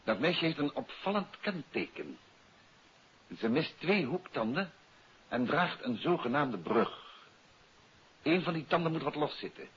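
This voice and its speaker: A man acting a self-assured, courteous detective in a 1950s radio mystery serial, polite, brisk and composed. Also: on the high side, very animated, a bit bright. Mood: composed, businesslike. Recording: hissy, muffled old radio recording.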